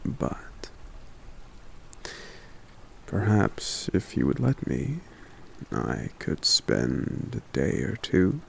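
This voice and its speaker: A man playing a gentle, contented forest giant in an ASMR roleplay, musing softly and hesitantly with little hums in a gravelly voice. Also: huge pitch swings, drawn-out words, pauses often, slight background noise, exaggerated voice, low-quality recording. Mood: thoughtful. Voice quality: very deep, gravelly. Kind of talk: ASMR roleplay, soft intimate character monologue.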